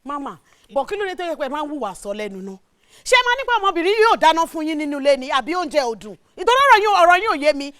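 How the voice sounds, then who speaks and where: An actress with a Nigerian accent playing an indignant young wife who scolds her mother-in-law with quick, sharp retorts. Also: high-pitched, big pitch swings.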